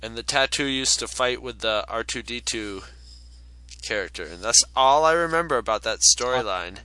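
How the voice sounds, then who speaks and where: A middle-aged man co-hosting a podcast, reminiscing in a relaxed conversational way. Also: mid-range voice, moderate pace, smooth, no room sound, rough recording. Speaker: podcast co-host. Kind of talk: casual chat.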